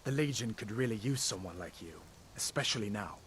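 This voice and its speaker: An actor playing an earnest, persuasive soldier in scripted fantasy game dialogue. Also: male voice, on the low side, lively intonation, fairly quick, a bit bright, a little hiss or hum. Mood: earnest, reassuring. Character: urgent, earnest male imperial soldier.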